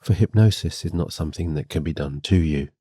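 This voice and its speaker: A man giving a scripted sleep hypnosis and guided meditation in a gentle, soothing, guiding way. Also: very deep voice, a little fast, breathy edge, no echo, studio quality.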